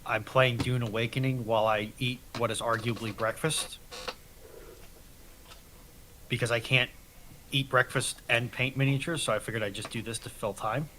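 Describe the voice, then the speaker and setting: A man's voice: medium pitch, steady tone, fairly quick, pushed and bright. A man chatting casually and informally as a panellist on a live show. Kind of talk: casual chat. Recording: noisy home mic with clicks.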